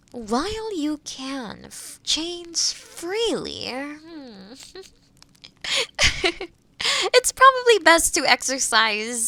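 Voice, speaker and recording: A woman playing a kind forest witch in a roleplay audio drama, explaining things gently and thoughtfully to the listener. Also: high-pitched, no echo, heavily acted. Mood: careful explaining, then wryly amused.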